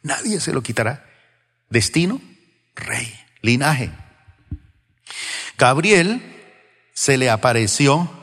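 Preacher in a reverberant church hall. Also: male voice, mid-range voice, big pitch swings, slow pace, pauses often, slightly rough. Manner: dramatic, swings from loud exclamations to hushed whispers; asks the congregation questions. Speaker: pastor. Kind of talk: sermon.

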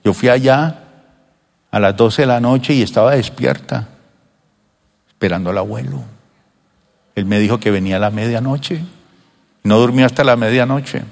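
An older man preaching a sermon to his church, animated and acting out children's voices now and then. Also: medium pitch, moderate pace, creaky, pauses often. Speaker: pastor. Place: church sanctuary. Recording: long reverb of a church hall.

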